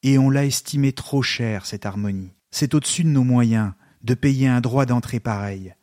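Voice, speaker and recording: A man voicing a brooding young intellectual in rebellion, read in a subdued, intense register. The tone is mellow and warm. The sound is dry and close. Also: mid-range voice, moderate pace, dry recording, lightly acted. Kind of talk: literary reading.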